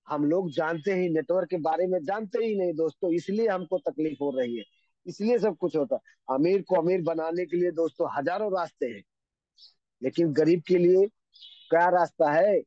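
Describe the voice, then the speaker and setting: Man, motivational seminar speech, fairly high pitch, repeats phrases, quotes couplets, dry muffled lo-fi sound. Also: warm tone, no room sound. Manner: emphatic, repeats key phrases again and again; says he talks fast. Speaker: motivational speaker at a direct-selling seminar.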